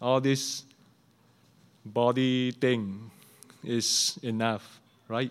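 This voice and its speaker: A man with a non-native accent speaks at a medium pitch, his intonation fairly even. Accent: noticeable foreign. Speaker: visiting preacher. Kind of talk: sermon. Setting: church. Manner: hesitant, with fillers.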